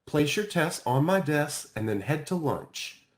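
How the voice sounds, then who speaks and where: Man as a caring, expressive woman teacher. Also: fairly high pitch, unhurried, voice pushed up. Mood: businesslike. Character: caring, attentive woman schoolteacher.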